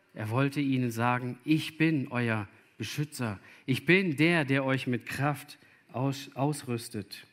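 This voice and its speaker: A man preaching a sermon to young listeners, earnest and speaking to them directly. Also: medium pitch. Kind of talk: sermon to children or youth.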